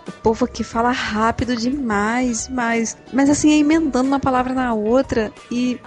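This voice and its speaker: A woman chatting casually, recounting her memories. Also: fairly high pitch. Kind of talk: casual chat.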